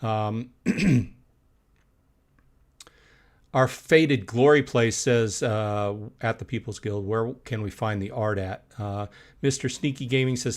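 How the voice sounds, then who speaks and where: Reading the chat aloud during a casual live stream, this middle-aged host fills his speech with pauses and fillers, clearing his throat every so often. His pitch is medium.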